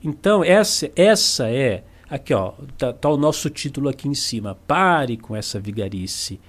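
A man's voice: mid-range voice, big pitch swings, normal speed. A man with a Brazilian Portuguese accent, a spiritual teacher giving an emphatic, repetitive motivational talk to camera. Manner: emphatic and repetitive, with acted-out quotes.

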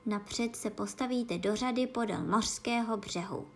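Woman playing a griffin creature, boisterous, loud, eager, storybook. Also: medium pitch, lightly acted. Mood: matter-of-fact. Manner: shouting, eager.

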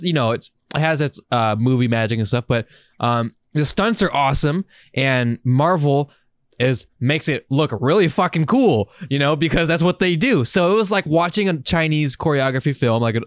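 A man's voice: on the high side, dry recording, studio quality. A man podcasting in a casual, profane chat, rambling and enthusiastic with plenty of slang. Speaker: podcast host.

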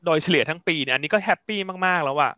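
Bright chatty man hosting quickly. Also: on the high side, no echo, dull audio. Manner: chatty, teasing, hands off to co-hosts. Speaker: show host. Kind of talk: casual market talk show.

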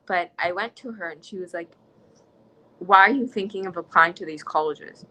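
A young American woman, a student, speaks in a conversational interview with a fairly low voice at a moderate pace. Her tone is sharp, earnest and impassioned, and she often restarts her sentences. The audio quality is poor.

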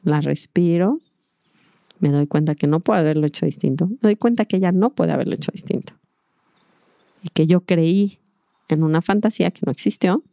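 A woman's voice: fairly low pitch, moderate pace, creaky, pauses often, warm tone, no echo, clean studio sound. A middle-aged woman gives a reflective, earnest talk to an audience about mindful parenting, acting out little dialogues as she goes.

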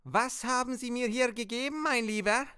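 A woman's voice: fairly high pitch, normal speed, bright, forceful tone, clean tone, dry recording, studio quality. A woman playing a commanding, impatient villain in an amateur German audio drama, speaking in solemn, archaic formal phrases over music. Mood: impatient, angry. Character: commanding, impatient villain conjuring helpers from the underworld. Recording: music bed under the voice.

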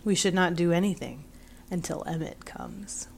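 A woman doing a hushed menacing black cat. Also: on the low side, expressive, quick pace, slight background noise. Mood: ominous. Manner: quiet, hushed, whispery.

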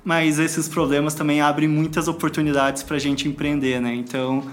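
A man's voice: fairly high pitch, flat delivery, normal speed. A man with a Brazilian accent speaking casually as an entrepreneur guest in an interview.

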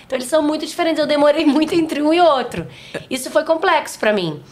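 A woman's voice: high voice, quick pace. A woman in her forties, a podcast guest chatting casually and acting out quotes as she tells stories. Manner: animated storytelling, acts out quotes. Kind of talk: casual chat.

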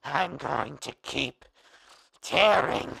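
An actor playing a sadistic, vengeful monster in a horror audio drama, with gravelly, mocking menace. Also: medium pitch, lively intonation, bright, forceful tone, dry recording, exaggerated voice, low-quality recording. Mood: vengeful, taunting. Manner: menacing, drawn-out, mocking taunts.

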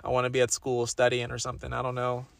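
A young man with a slightly raspy voice, chatting casually and rambling through a solo podcast in slangy talk, repeating phrases for emphasis. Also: mid-range voice, completely flat delivery, quick pace, a bit bright, no echo. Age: young adult. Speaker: podcast host.

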